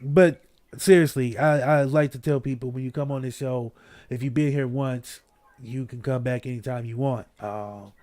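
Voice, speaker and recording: A man from Ohio hosting a podcast in an easygoing, slangy way. He sounds a little stuffed up, and his voice sits at an ordinary middle pitch. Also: steady tone, normal speed, darkish tone. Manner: laid-back, slangy, repeats "you know what I mean". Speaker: podcast host. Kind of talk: casual podcast chat.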